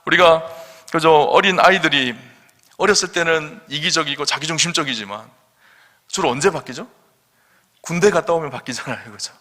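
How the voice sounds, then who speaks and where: A man's voice: fairly high pitch, moderate pace, pushed and bright. A middle-aged male senior pastor preaching a sermon, emphatic and asking the congregation questions. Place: church sanctuary. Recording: long church hall reverb.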